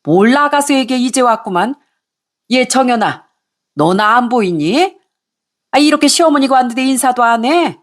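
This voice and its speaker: A woman voicing an angry middle-aged mother-in-law who scolds and nags in a shrill voice. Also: lively intonation, close to an everyday voice. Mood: scolding. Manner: shrill, scolding, rapid nagging.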